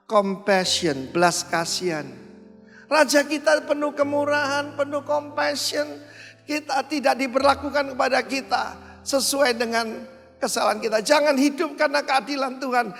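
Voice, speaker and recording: A man preaching a sermon as pastor, animated and bursting into loud exclamations. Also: very high-pitched, creaky. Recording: long reverb of a large hall, faint music.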